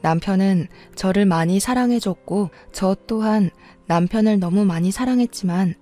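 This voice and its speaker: A woman narrating a first-person true story in an even, confiding manner. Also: medium pitch.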